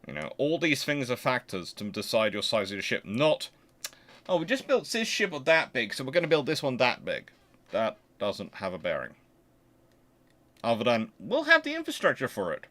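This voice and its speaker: With huge pitch swings and a bright, forceful medium-pitched voice, a man speaks at normal speed while hosting a casual live naval history Q&A. He answers viewers in a talkative, digressive style, leaning on rhetorical questions.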